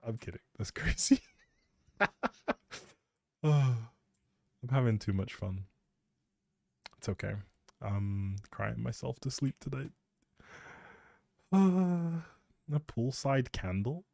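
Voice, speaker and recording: Male streamer, soft mellow tone, casual teasing ramble, close dry mic. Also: medium pitch, expressive, takes it slowly, gravelly, long pauses, no room sound. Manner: playful, teasing, thinking aloud. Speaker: live streamer.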